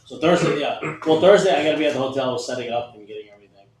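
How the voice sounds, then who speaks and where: A man's voice: mid-range voice, very fast. A man at a meetup talking casually about event plans, often repeating himself. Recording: echoey room with a crowd behind.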